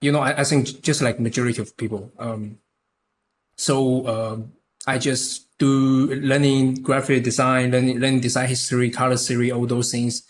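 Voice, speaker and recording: A young Taiwanese man, a native Chinese speaker with a Taiwanese accent, appears as a podcast guest and concept artist in a casual interview chat. His mid-range voice is flat, and he talks haltingly with many restarts.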